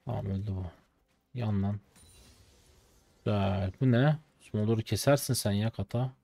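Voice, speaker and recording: A man's voice: fairly low pitch, a little slow, creaky. A man in his late twenties from Turkey, a streamer giving slangy, casual commentary over his own gameplay. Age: late 20s. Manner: slangy, excitable, shouts when the game turns.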